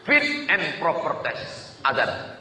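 A man preaching a lively sermon, telling stories, acting out dialogue and breaking into shouts and jokes with the audience. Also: a little high, slow pace. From Riau, Indonesia. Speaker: preacher and university lecturer. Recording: echoey hall, voice from far off.

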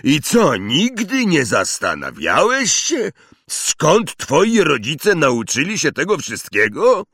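A man voicing Hagrid, a huge, hot-tempered male half-giant in a storybook reading, booming, slow and emphatic. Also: huge pitch swings, a bit bright, husky, no echo, studio quality, full character voice. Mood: angry.

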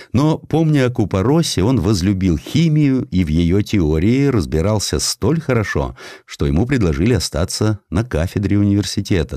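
Male audiobook narrator, very low register, lively intonation, theatrical pauses, dry studio sound. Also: dry recording. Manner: theatrical, expressive delivery with dramatic pauses. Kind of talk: dramatized storytelling, scripted narration of a historical sketch.

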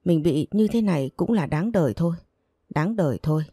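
A woman's voice: fairly low pitch, expressive, fairly quick, mellow, breathy edge, no echo, clean studio sound. A woman reading an audiobook and voicing a heartbroken young wife, choked and self-blaming. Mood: bitter.

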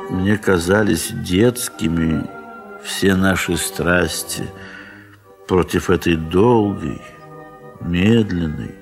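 A man narrating a classic story in a 1970s Soviet audio drama, in a dramatic literary style with measured, expressive pauses. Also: sits low.

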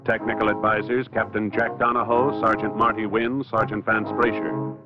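A man announcing formally in a measured 1950s radio style. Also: on the low side, level tone. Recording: muffled vintage radio recording, loud brass music. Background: orchestral brass music.

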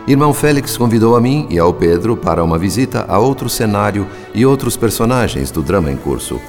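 Observant narrator, low voice, literary descriptive style, grave, radio drama, background music. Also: male voice, sing-song, brisk. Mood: grave storytelling. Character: observant, grave male narrator recounting spirit-world events.

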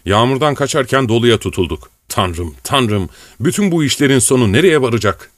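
A man's voice: mid-range voice, lively intonation, normal speed, no echo, pitched above the performer's own voice, lightly acted. A man voicing a worried old male servant who grumbles and frets. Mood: fretful. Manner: grumbling, fretful.

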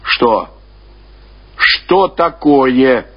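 A man's voice: medium pitch, expressive, very slow, slightly rough, exaggerated voice. A man voicing an imperious, short-tempered old landowner woman who barks suspicious questions and orders in a radio literary reading. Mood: agitated, impatient. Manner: commanding, abrupt, interrogating. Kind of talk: dramatic reading of classic literature. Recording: dull archive radio recording.

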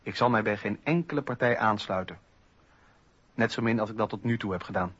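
An actor playing a principled eighteenth-century male philosopher-politician, speaking in measured, earnest, formal testimony for a radio docudrama. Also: lowish voice, a bit bright, breathy edge. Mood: earnest conviction. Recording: dull, noisy old radio recording.

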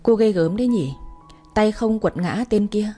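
A woman's voice: mid-range voice, moderate pace, mellow, soft background music, lightly acted. A woman voicing a smug, pushy young male boss in a spoken story, teasing and insistent.

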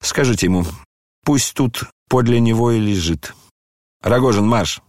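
A man's voice: medium pitch, measured pace, darkish tone, no echo, clean studio sound, close to an everyday voice. A man reading the lines of a proud, scornful young woman in an audiobook, commanding and defiant.

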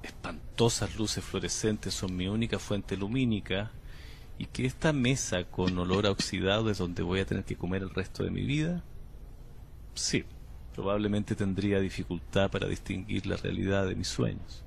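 An actor playing a calm, cryptic male patient who claims to come from the future, speaking in a slow, measured, unsettling way. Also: deep voice, creaky, slight background noise. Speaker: patient under interview. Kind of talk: audio drama acting.

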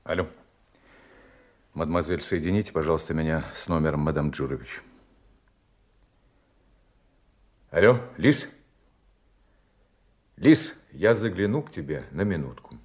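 Deep-voiced, decisive male secret operative. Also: expressive, normal speed, pauses often. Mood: courteous, urgent. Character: brisk, decisive male undercover operative planning an escape. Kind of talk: audio drama acting.

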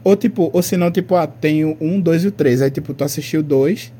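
A Brazilian man in his twenties co-hosts a casual podcast, rambling in slangy talk and laughing often. His voice sits a bit high but has a mellow, dark color. Faint noise hums behind him. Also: brisk. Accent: Brazilian Portuguese. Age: 20s. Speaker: podcast co-host. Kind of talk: casual chat.

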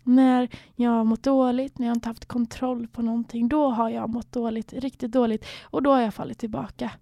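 A woman's voice: a little high, little pitch movement, creaky, warm tone, no room sound. A young woman from Sweden, candidly telling her own story in a reflective way, sometimes dropping to near a whisper. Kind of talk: personal storytelling.

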